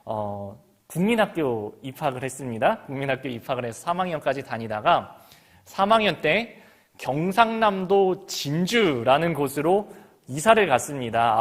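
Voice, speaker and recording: A middle-aged man from Gangwon Province in Korea preaching a sermon, reading scripture and then talking to the congregation in a chatty way, with questions for them. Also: mid-range voice. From Gangwon Province, South Korea. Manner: reads scripture then talks conversationally, asking the congregation questions. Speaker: pastor.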